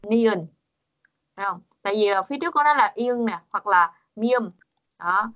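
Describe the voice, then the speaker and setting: A woman's voice: medium pitch, expressive, brisk, a bit bright, lo-fi sound. A woman teaching a Korean pronunciation lesson over a video call, patient and coaxing, repeating words for her students.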